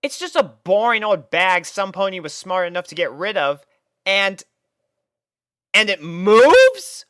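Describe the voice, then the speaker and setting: Brash tomboy pegasus filly, cocky and loud, as a male reader puts her on in a high falsetto. Very high, forceful, dry close sound. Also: big pitch swings, unhurried, smooth, dry recording, full character voice.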